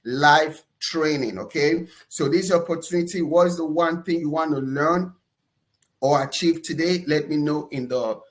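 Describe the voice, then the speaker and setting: Energetic Nigerian man hosting a webinar. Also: on the high side, moderate pace. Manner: energetic, enthusiastic shout-outs; fillers and repeated "okay?". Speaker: webinar host. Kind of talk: live webinar presentation.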